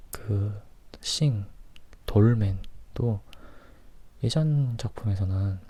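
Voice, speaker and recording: A man whispers a casual ASMR film review in a breathy, hushed voice, as if leaning in close to the listener. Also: lowish voice, slight background noise. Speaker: host of a film review series.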